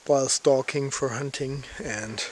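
A man, reviewing his outdoor gear in a casual, halting way with many fillers, filmed outdoors by a lakeshore on a camera held at arm's length. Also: mid-range voice, steady tone. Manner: halting, many fillers, simple non-native phrasing. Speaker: outdoor channel host. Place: outdoors on a lakeshore in light rain. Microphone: handheld camera at arm's length. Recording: faint rain and outdoor noise.

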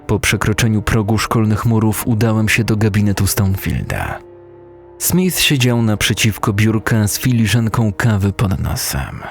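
A man's voice: fairly low pitch, normal speed, vocal fry, soft background music. A man reading a scripted horror story as a narrator, close to a studio microphone. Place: recording studio.

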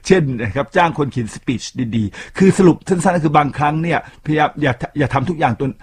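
A man's voice: on the high side, brisk, a little mellow, a little hiss or hum. A man hosting a radio talk show, talking chattily to his listeners with frequent asides. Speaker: radio host.

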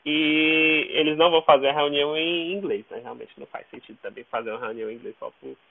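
Tinny phone-line Brazilian man, halting. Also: a little high, vocal fry. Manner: halting, repeats words while searching. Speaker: podcast guest. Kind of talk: casual interview chat. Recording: narrow, tinny phone-like call audio.

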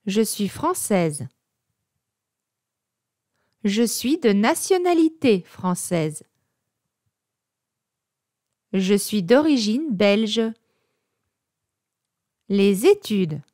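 A woman narrating a scripted vocabulary lesson, speaking in a slow, clear and deliberate way. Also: mid-range voice, very animated, dark tone, no room sound, studio quality. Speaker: teacher.

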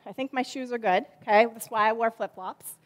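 A woman's voice: a little high, a little fast. A woman in her forties, a children's ministry director, giving a chatty object lesson sermon from a church stage with lots of fillers.

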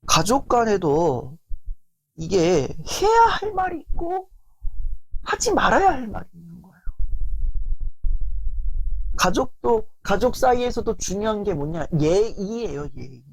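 A man giving a lecture on family relationships in a lively, rambling way, often acting out family arguments. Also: high-pitched, unhurried, creaky, pauses often. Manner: animated, heavy use of fillers, acts out quoted family arguments. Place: lecture stage.

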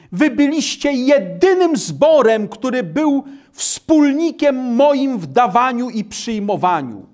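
An older man preaching at a lectern, slowly and deliberately reading and explaining Bible passages. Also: very high-pitched. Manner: slow, deliberate delivery reading scripture aloud. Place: studio with virtual backdrop, indoors.

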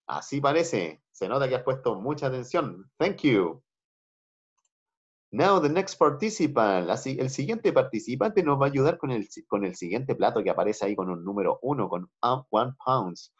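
A Chilean man teaching English over a video call, his voice a little husky. He is patient, mixes Spanish with English and repeats himself often. The call audio is muffled and lo-fi. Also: medium pitch, animated, moderate pace. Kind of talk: online class teaching. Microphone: computer mic on a video call.

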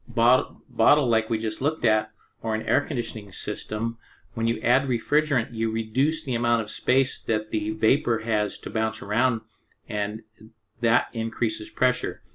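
A man teaching an HVAC lesson over sketched diagrams. He speaks at a middling pitch, calm and unhurried, and often restarts his sentences as he works through each point. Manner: plain, unhurried, with frequent restarts. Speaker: HVAC instructor. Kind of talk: explaining over drawn diagrams.

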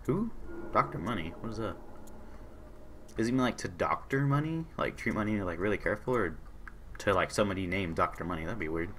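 A hoarse young man with a sore throat, casually commentating a game he is playing, reading on-screen messages aloud and answering them. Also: on the low side, expressive, brisk, a bit bright, a little hiss or hum. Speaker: gaming channel host. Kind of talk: casual let's-play commentary.

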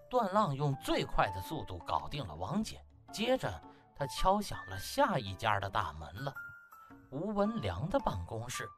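A man tells a comic story in a dramatized audiobook style. His delivery is extremely lively and varied in pitch, with faint music underneath. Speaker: audiobook narrator.

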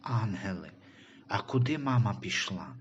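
A man voicing a timid, trusting unborn baby boy in a Christian audio story, speaking softly and questioningly. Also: fairly low pitch, animated, unhurried, highs cut off, slight background noise. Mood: pleading.

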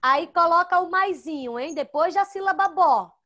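A woman's voice: extremely high pitch, bright, forceful tone. A woman teaching an online class to young children, patient and coaxing. She uses lots of diminutives and checks in often. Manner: fond of diminutives, spells out syllables slowly. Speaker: first-grade teacher. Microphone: computer microphone, with headphones.

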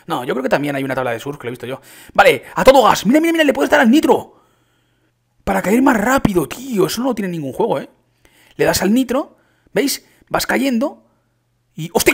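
Young guy yelling over his battle royale game, kinda husky, voice jumps all over. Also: high-pitched. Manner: excitable, exclaims often, addresses viewers as chicos. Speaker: gaming youtuber. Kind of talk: excited gameplay commentary.

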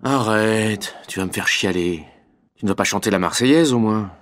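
A man's voice: fairly low pitch, normal speed, fairly bright tone, dry recording. A man reading scripted exam dialogues in a wry, offhand way.

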